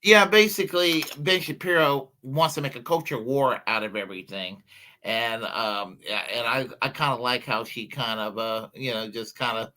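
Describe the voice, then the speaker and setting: A man's voice: mid-range voice, moderate pace, bright, forceful tone, a little hiss or hum, low-quality recording. A man co-hosting a casual livestream, hesitant and full of filler words, blunt and profane in his opinions. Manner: hesitant, lots of ums and you-knows. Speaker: podcast co-host.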